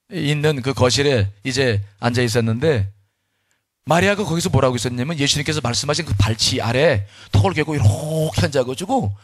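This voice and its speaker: A male pastor preaching a sermon, telling the story animatedly with dramatic pauses and frequent restarts. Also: on the high side, husky, no echo, clean studio sound.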